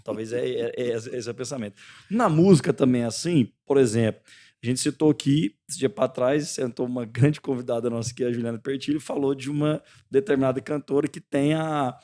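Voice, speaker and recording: A man's voice: medium pitch, a little fast, warm tone. A man with a Goiás accent hosting a podcast, asking long, rambling questions with many restarts. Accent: Goiás Brazilian Portuguese. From Brazil, Goiânia. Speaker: podcast host. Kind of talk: casual podcast chat.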